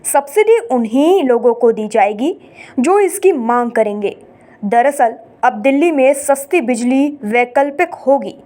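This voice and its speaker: A woman news anchor reading a scripted bulletin in a brisk, formal manner. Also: sits high, darkish tone.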